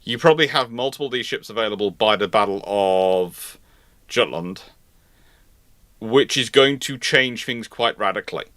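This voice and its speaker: A man hosting a live naval history Q&A, reasoning aloud in a halting way and often repeating and reworking his phrases. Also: lowish voice, fairly bright tone, no room sound, studio quality. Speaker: host answering viewer questions.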